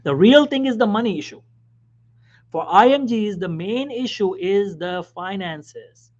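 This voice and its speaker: A man, a physician, giving career advice in a motivational talk, emphatic and repetitive, dropping now and then to a soft whisper. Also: high-pitched, lively intonation, unhurried. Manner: emphatic, repeats key phrases, drops suddenly to soft whispers. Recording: dull lo-fi recording.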